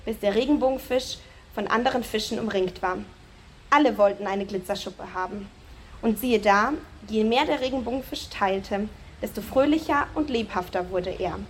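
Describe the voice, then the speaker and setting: A woman reading a children's story aloud at a church service, clear and expressive. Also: fairly high pitch, slight background noise.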